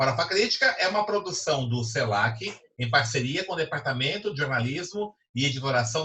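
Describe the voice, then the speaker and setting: A plain, everyday voice at a moderate pace. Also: man. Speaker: professor and talk show host. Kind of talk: show intro.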